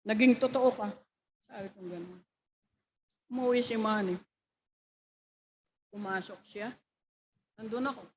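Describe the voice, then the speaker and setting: A woman's voice: on the high side, a bit bright, a little hiss or hum. A middle-aged woman preaching a Mother's Day sermon in church, telling a family story and acting out the quoted dialogue, then asking the congregation questions.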